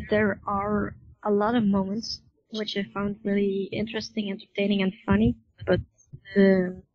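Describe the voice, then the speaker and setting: Even-toned woman, lo-fi audio. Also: mid-range voice, no echo. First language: Dutch. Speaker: podcast guest, forum admin. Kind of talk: casual interview chat.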